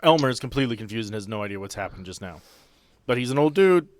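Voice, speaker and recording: A man's voice: mid-range voice, expressive, fast talker, no echo. A man acting as game master, improvising narration and guiding players through a tabletop game.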